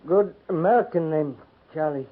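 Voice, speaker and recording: An actor playing a wounded, stubborn young Native American man in pain, speaking halting, clipped broken English in a 1950s radio western. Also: a little high, narrow, tinny audio, natural voice. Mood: pleased. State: in pain, weak. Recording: thin 1950s radio recording.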